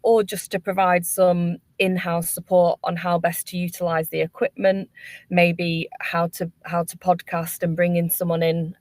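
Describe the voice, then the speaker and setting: A woman speaking as a workspace panelist in a webinar, explaining things in measured, business-like phrasing. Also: lowish voice, darkish tone, no room sound.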